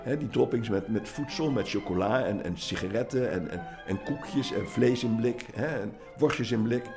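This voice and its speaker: A man in his eighties from the Netherlands, giving personal testimony, halting with frequent restarts and lively when retelling scenes. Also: medium pitch, over music. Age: 80s. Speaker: interviewee.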